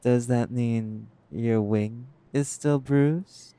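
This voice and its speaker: A man's voice: mid-range voice, very slow, mellow, clear, resonant tone, dry recording. A man playing a sinister doctor villain in an audio drama, mockingly polite and falsely caring. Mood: menacing, taunting. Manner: falsely solicitous, gloating, drawn out. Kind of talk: scripted audio roleplay acting.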